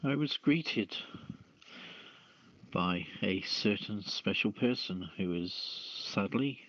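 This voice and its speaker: Slow-talking man, low voice over phone-like audio. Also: expressive, a bit bright, no room sound. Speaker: co-host of an online radio show. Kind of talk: casual radio show chat. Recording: phone-like two-way app audio.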